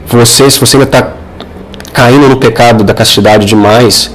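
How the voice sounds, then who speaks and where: A man's voice: medium pitch, fairly even intonation, moderate pace, slight background noise, poor audio. Earnest Brazilian man giving religious advice. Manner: earnest, didactic, addressing the listener directly. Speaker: Catholic advice video creator. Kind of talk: informal religious advice monologue.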